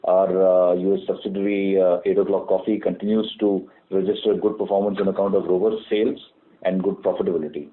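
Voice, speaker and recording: Over a narrow, muffled phone line, a man presents company results. He is formal and measured in wording, but halting, often filling gaps with uh as he reports. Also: deep voice, flat delivery. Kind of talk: prepared business report on a conference call. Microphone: telephone conference call.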